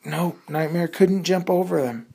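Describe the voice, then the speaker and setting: A woman's voice: fairly low pitch, a little slow, vocal fry, dark tone, husky. A woman telling a suspenseful bedtime story for children in a dramatic, improvised way, repeating words for effect.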